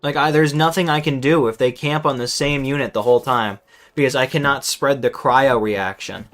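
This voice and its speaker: With game music in the background, a man gives a live, sweary running commentary on his gameplay, sounding casual and exasperated and tripping over repeated words. His pitch is medium, his tone fairly bright, his pace normal.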